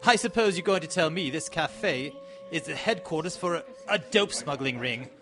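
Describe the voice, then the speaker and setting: An actor playing a bluff, incredulous Victorian gentleman, a detective's companion in a mystery drama, blustering and exclamatory. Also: a little high, lively intonation, moderate pace, music in the background. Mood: skeptical, amused. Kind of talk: radio-style mystery drama acting.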